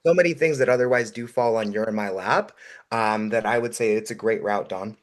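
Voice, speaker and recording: A man whose first language is Russian, giving energetic, encouraging advice on a call-in show with many "um"s. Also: on the low side, brisk. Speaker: guest investor.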